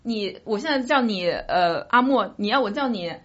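A woman's voice: mid-range voice, expressive, moderate pace. A woman hosting a podcast, chatting casually with friends in a group. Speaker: podcast host. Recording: dull lo-fi sound, faint noise, clicks.

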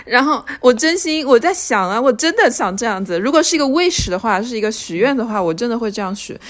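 A woman co-hosting a podcast, chatting casually, earnest and quick to laugh. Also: a little high, expressive. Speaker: podcast co-host. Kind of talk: casual chat.

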